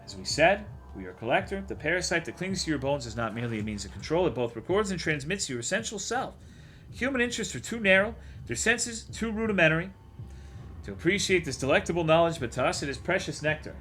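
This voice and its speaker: A man voicing an ancient tentacled plant monster, a male soul collector who talks with a slow, put-on cowboy drawl. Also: a little high, big pitch swings, fairly bright tone, slight background noise. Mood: grandiose.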